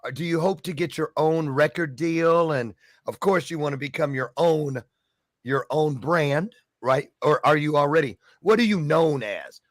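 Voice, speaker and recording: A man's voice: on the high side, moderate pace, dry recording, studio quality. A man hosting a casual interview, chatty and joking, sometimes losing his train of thought. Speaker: interview host.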